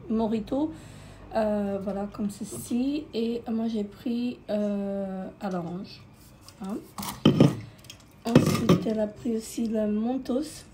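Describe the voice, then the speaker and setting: Woman hesitantly showing off holiday purchases. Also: medium pitch. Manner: hesitant, many filler sounds, repeats "comme ceci". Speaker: vlogger. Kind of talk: casual holiday haul vlog. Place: indoors at a holiday rental near the beach. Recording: crinkling packaging noise close by.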